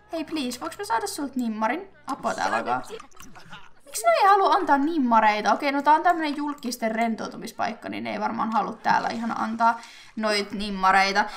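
Lively young woman narrating a game. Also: on the high side. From Finland. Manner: chatty, thinks aloud with filler sounds, bursts of excitement. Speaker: gaming YouTuber. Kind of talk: casual let's-play commentary.

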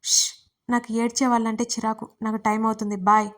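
A woman's voice: a little high, flat delivery, brisk, a bit bright, lightly acted. A woman voicing a cold, aloof young husband in an audio story, talking curtly and dismissively. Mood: irritated. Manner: curt, detached.

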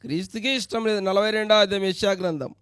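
A man's voice: high voice, fast, fairly bright tone, clear, resonant tone, no room sound, studio quality. A man preaching a sermon as pastor, pressing his listeners with pointed questions.

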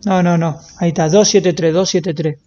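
A high-pitched man with a Rioplatense accent, playing a car dealer in a game roleplay stream. He jokes crudely and playfully. The audio sounds a little dull. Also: steady tone, moderate pace, warm tone. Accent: Rioplatense Spanish. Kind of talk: GTA roleplay stream banter.

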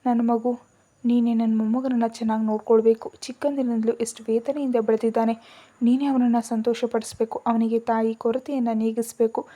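Storybook grandma, old, loving and teary, read by a woman narrator; soft, tender delivery. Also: on the high side, little pitch movement, a little fast, natural voice. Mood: tearful tender. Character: loving elderly grandmother, tearful and doting.

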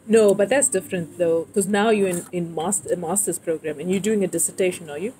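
A woman's voice: lowish voice, brisk, warm tone. A woman chatting casually with a friend, direct and questioning, ready to challenge what she hears. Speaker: interviewer, friend in conversation. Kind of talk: casual conversational back-and-forth. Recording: clear outdoor ambient noise.

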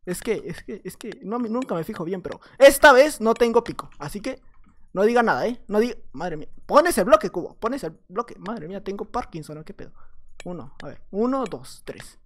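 A Mexican man commentates his game in a playful, jokey way, with a fairly high-pitched voice. He jumps between loud, excited bursts and quiet mumbling to himself. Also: brisk. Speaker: gaming YouTuber. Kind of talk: live gameplay commentary.

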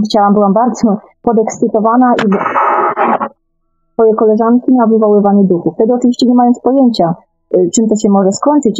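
Female talk-show guest: mellow, conversational and explanatory, slightly lo-fi line with music behind. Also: fairly high pitch. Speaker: guest author. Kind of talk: conversational radio discussion. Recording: dull, band-limited remote connection.

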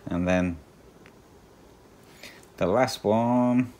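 English guy, bit of an aussie twang, really low voice, rambly chat with lots of ums while he stitches. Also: drawn-out words, dark tone. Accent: English with a slight Australian twang. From England. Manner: rambling, chuckles often, many ums and restarts. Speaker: cross-stitch vlogger.

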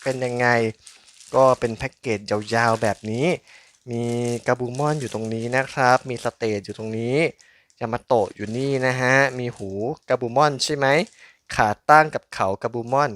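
A man's voice: mid-range voice, normal speed, fairly bright tone. A man giving casual, chatty unboxing commentary in an informal but polite way. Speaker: toy unboxing channel host.

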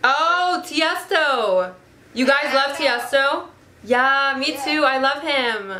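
A woman in her twenties from Canada, chatting casually with strangers on video calls and teasing them with deadpan jokes. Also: high-pitched, slow pace, roomy sound, slight background noise. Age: 20s. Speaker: host. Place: bedroom.

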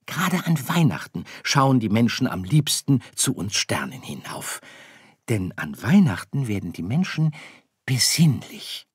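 A man voicing a caring, worried mother star who coaxes softly in an audiobook. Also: mid-range voice, very animated, measured pace, breathy edge, no room sound, clean studio sound, voice pushed up, full character voice. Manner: soft, coaxing. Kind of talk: audiobook character voice.

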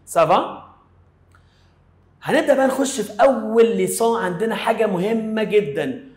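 A man with an Egyptian Arabic accent giving a playful, casual French lesson, explaining slowly with little stories. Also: sits high, animated, reverberant. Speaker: French teacher.

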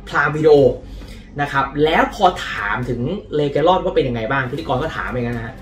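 A man hosting a casual football news vlog, chatty and lively in his storytelling. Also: medium pitch, brisk, roomy sound, distant mic, a little hiss or hum. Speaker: football channel host.

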